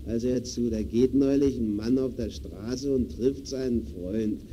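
Actor as a slow-talking blustery bourgeois husband. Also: male voice, medium pitch, warm tone, lightly acted. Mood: eager. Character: grumpy bourgeois newspaper-reading husband, eager to tell jokes. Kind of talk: 1920s German radio play acting. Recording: muffled, faintly noisy old radio recording.

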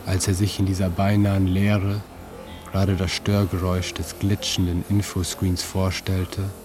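A man reading his own literary narration in a calm, measured way, with slow deliberate pauses. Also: low-pitched. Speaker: narrator and author. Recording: narration over music.

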